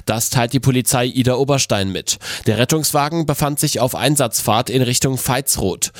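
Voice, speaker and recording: A man reading regional news in a formal, even way from a studio. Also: medium pitch, no room sound. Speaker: newsreader. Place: radio studio. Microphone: close studio microphone.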